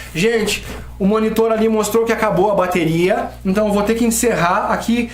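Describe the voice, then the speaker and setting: A man with a high voice speaks at a moderate pace. Noticeable background noise and audible room echo fill the recording. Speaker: ufology channel host. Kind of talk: solo video monologue.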